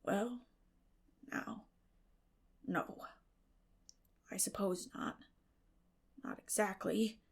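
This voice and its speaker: A gentle, shy old bachelor farmer from a storybook, as a woman narrator plays him. He is hesitant and reluctant, speaking very softly in a hushed, breathy, halting voice. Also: mid-range voice, heavily acted. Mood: uncomfortable. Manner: halting, reluctant, soft-spoken.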